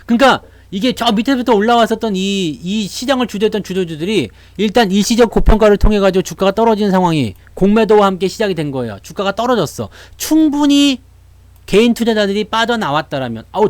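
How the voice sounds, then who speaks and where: Man, market commentator, high lively voice, sardonic rhetorical questions, dry close sound. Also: fast talker, no room sound. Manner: animated, mocking, rhetorical questions; blunt, slangy asides.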